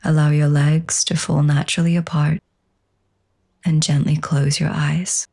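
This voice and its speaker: A woman teaching yoga nidra, leading a slow guided relaxation in a soft, breathy, husky voice with a gentle, hushed, soothing manner. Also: deep voice, flat delivery.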